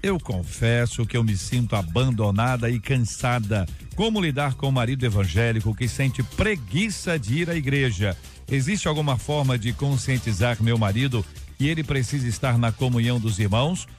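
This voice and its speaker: A man hosting a radio debate show, presenting in a lively, conversational way to listeners. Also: mid-range voice, moderate pace, faint music behind.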